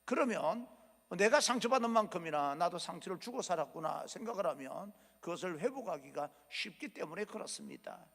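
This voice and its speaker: A man's voice: high voice, animated, fairly quick, creaky, a bit bright, breathy edge. A male pastor preaching a sermon in a church, earnest and encouraging, acting out quotes as he goes. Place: church sanctuary. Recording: long hall reverb.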